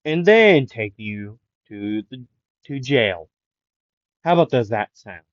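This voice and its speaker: Young male hero, blunt and threatening, played by a man; middle pitch, dull lo-fi recording. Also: expressive, takes it slowly, dry recording.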